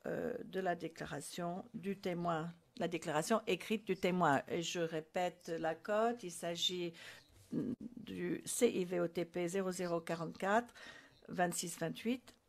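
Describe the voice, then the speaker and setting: Slow, measured woman interpreting in court. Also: lowish voice, steady tone. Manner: slow, measured, with frequent hesitations. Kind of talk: formal courtroom procedure.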